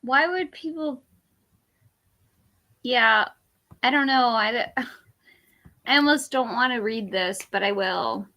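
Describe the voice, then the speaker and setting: A woman reading tarot cards on a casual livestream, a little tipsy and slow-paced, drawing out her words. Her voice is bright and forward, and she rambles through halting fillers and easy laughter. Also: a little high. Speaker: tarot reader and livestream host.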